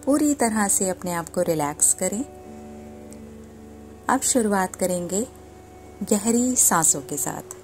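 A woman leads a guided meditation at a slow, unhurried pace. Her delivery is soothing and deliberate, with a mid-range pitch. Soft music plays behind her voice. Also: animated. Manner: soothing, deliberate, repetitive instruction. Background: background music.

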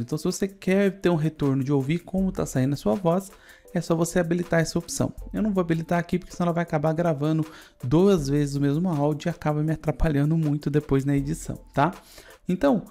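A man in his thirties with a Brazilian accent giving a casual software tutorial on a USB microphone in a studio. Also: a little high. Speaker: tutorial presenter. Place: studio indoors.

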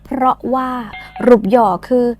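Woman, English teacher, playful, teasing, slow pronunciation drills, faint background music. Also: lo-fi sound. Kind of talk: lesson with repeat-after-me drills.

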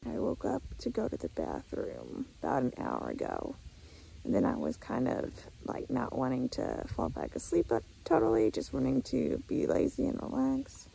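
A woman's voice: a little high, huge pitch swings, normal speed, gravelly, a little hiss or hum. A woman in her thirties casually narrating a travel vlog, chatty and upbeat, recorded on a close camera in a minivan and outdoors. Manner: chatty, upbeat, sometimes whispering softly. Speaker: travel vlogger.

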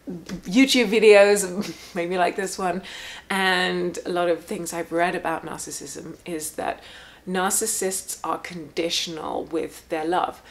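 A woman who works as a therapist, talking candidly at home in a rambling, reflective way with sarcastic asides. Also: fairly low pitch. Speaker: therapist and channel host. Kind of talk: casual reflective monologue. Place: home room.

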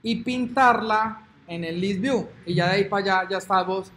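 A man's voice: high voice, moderate pace, sharp tone, slight background noise. A man teaching a programming lesson, chatting and thinking aloud as he works through code on screen. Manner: chatty, thinks aloud, hums "ta ta ta" while waiting. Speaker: programming instructor. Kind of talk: screen-recorded coding lesson.

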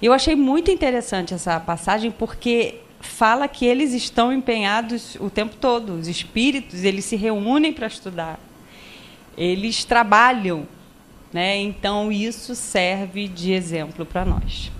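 A Brazilian woman seated at a panel table in a lecture hall, recounting a book passage in a measured, hesitant way. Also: medium pitch, slight background noise. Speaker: lecturer at a spiritist center.

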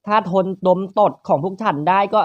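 A gaming host talks through a puzzle game with crude, teasing jokes and quick banter. The voice sits in an ordinary middle register. It is recorded close and dry on a slightly muffled home mic. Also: no echo. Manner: crude, teasing, rapid banter with frequent high laughs. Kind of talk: playful let's-play commentary.

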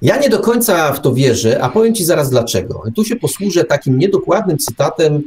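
A man's voice: on the high side, sing-song, fairly quick, darkish tone, slight background noise. A man hosting a radio talk show, giving opinions conversationally, with ironic exaggeration, rhetorical questions and repetition for emphasis. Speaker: podcast host.

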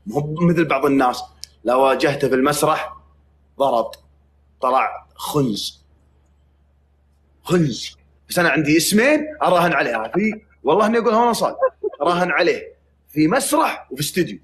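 A man's voice: a little high, lively intonation, quick pace, pauses often, fairly bright tone, a little hiss or hum. A man with a Saudi accent hosting a livestream, chatting casually with joking, mock-threatening banter. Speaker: livestream host.

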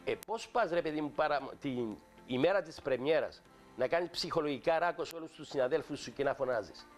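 A man's voice: a little high, soft background music. Indignant Cypriot man telling a story. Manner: indignant, emphatic, acts out dialogue. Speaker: guest actor. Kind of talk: animated storytelling on a talk show.

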